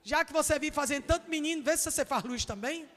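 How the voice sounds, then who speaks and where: A woman preacher with a Northeastern Brazilian accent, giving a jokey, chatty sermon that bursts into shouts. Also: high voice, fast, in a large hall, slight background noise. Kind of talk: lively humorous sermon. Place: church hall.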